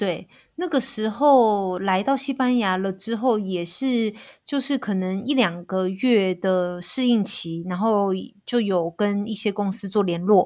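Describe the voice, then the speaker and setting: On a very clean recording with a silent background, a woman talks very slowly at a medium pitch with ordinary pitch variation. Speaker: ham industry promoter and author. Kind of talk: casual interview. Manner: halting with frequent repetitions.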